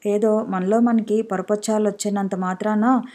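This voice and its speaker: Brief: woman reading as a smooth, coaxing husband in an audiobook, mellow warm tone. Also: mid-range voice, steady tone, normal speed, close to an everyday voice. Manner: persuasive, coaxing. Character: smooth-talking estranged husband, young man, coaxing.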